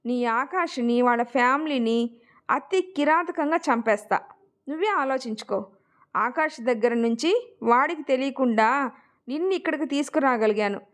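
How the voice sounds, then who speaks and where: A menacing unseen man makes cold, measured threats over the phone, voiced by a woman narrating the story. The voice stays high and light, with no attempt to sound deep. It is a storybook villain delivered in an even, deliberate way.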